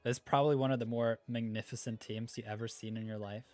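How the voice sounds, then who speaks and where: A man's voice: medium pitch, steady tone, fast talker, a little mellow, dry recording, soft background music. A man from Norway with a Norwegian accent, hosting a gaming livestream in laid-back, rambling chat while reading viewer comments. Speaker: livestream host.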